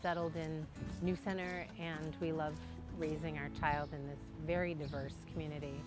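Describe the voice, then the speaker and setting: Lower-voiced middle-aged woman, matter-of-fact. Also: level tone, moderate pace. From Detroit, USA. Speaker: coffee shop owner. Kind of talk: documentary interview. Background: background music.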